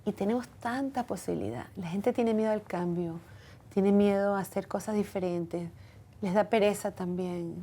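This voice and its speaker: A woman talks as an interview guest, earnest and reflective. Her voice is warm and mellow, and her pitch sits in the middle range. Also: normal speed. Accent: foreign accent when speaking Hebrew. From from outside Israel.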